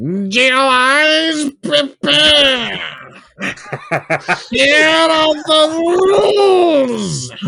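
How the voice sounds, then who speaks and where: A put-on character voice, high in pitch, at a very slow pace with long, frequent pauses. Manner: very dramatic, theatrical.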